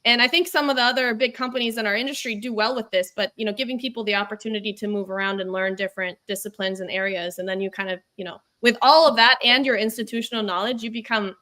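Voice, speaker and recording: A woman host with a bright, somewhat high voice. She talks in a friendly, rambling way, full of "you know" and restarts. Relaxed interview chat. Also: fast talker, few pauses. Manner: friendly, rambling, many fillers. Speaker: podcast host.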